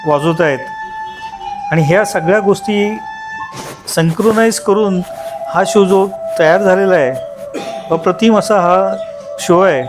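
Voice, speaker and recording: High-voiced man over loud music. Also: measured pace, long pauses, poor audio. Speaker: travel vlogger. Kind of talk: unscripted vlog voice-over narration. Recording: loud instrumental music behind voice. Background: loud music with instruments.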